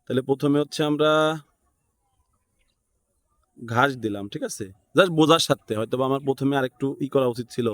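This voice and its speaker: Man, Bangladeshi accent, medium pitch, casual tutorial instructor, thinks aloud, frequent tag questions, dry recording. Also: fairly quick, long pauses, no echo. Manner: thinks aloud, often seeks agreement with short tag questions. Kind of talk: casual step-by-step screen tutorial, unscripted.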